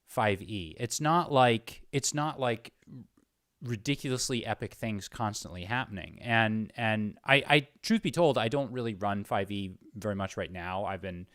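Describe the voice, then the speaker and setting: A man's voice: fairly low pitch, moderate pace, fairly bright tone, no room sound, clean studio sound. A man chatting casually as interviewer, hesitant and rambling, often correcting himself. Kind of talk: casual conversation.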